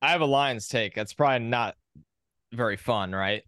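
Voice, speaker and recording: A young adult man co-hosting a podcast in a casual sports chat. He sounds opinionated and reels off facts in a steady run. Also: mid-range voice, moderate pace, clean tone, no echo, clean studio sound. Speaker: podcast co-host.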